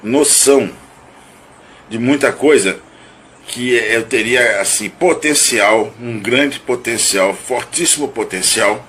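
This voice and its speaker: A man from Rio de Janeiro calmly analyzing a dream he once had, speaking in a halting, searching way with many restarts and hedges. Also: mid-range voice, slight background noise. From Brazil (Rio de Janeiro). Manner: thoughtful, hedging, self-analytical. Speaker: narrator recounting and analyzing his own dream. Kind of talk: reflective spoken monologue.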